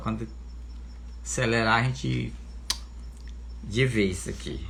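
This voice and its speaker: There is audible room echo around the voice. The speaker is a man. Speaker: spiritist lecturer. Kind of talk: online lecture; reading aloud. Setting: online video stream. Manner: soft-spoken.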